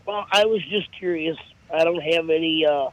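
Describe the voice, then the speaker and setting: A woman with a deep, raspy voice calling in to a radio show, a little groggy. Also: normal speed. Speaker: caller. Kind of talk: call-in chat. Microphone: phone. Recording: muffled phone line.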